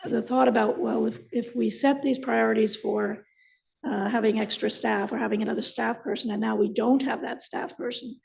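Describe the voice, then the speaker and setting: A woman's voice: a little high, steady tone, normal speed, creaky, a little mellow. A woman city councillor with a Canadian accent who is losing her voice, speaking hesitantly and repeating words as she thinks aloud. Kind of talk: council meeting remarks. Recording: dull council room sound.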